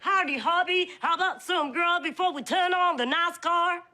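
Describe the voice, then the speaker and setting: An actress playing a sassy young wife who puts on a Texan accent in a comedy clip. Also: female voice, very high voice, a little slow, bright, forceful tone, heavily acted. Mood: teasing. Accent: put-on Texan. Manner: teasing, defiant.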